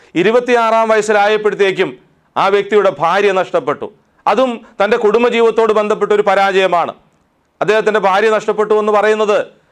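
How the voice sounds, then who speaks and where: A man talks in a high voice with fairly even intonation and very even loudness. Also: quiet background. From Kerala, India. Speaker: preacher. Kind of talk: sermon. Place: studio. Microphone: lapel.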